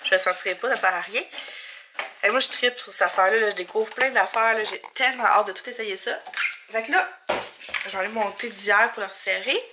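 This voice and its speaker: Amid background noise at home, a young vlogger and mom talks at a fairly quick pace in a medium-pitched voice. Her Quebec French accent and stuffy nose come through as she chats casually, rambling and thinking aloud.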